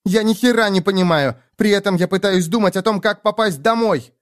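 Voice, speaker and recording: A man's voice: sits high, brisk, voice pushed up, lightly acted. A man putting on a furious sarcastic young woman. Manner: sarcastic, swearing, indignant. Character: sharp-tongued angry young woman, Nastya.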